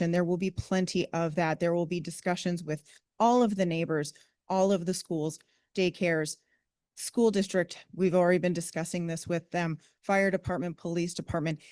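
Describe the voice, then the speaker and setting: A woman speaking formally at a public meeting, explaining her points in a measured way. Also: fairly low pitch, darkish tone, clear, resonant tone, no echo.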